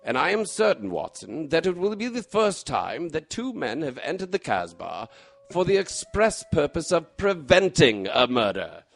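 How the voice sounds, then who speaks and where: An actor playing a courteous, shrewd gentleman detective in a radio mystery drama, formal, measured and dryly ironic. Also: on the high side, sing-song, creaky, heavily acted. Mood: grave, resolute.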